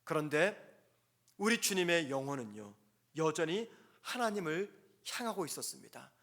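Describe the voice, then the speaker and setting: A man preaching in a church, his voice high for a man and bright, with a forceful edge. He delivers his sermon earnestly, pressing each short phrase and pausing between them. The tone is that of a pastor leading an early morning prayer service. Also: sing-song.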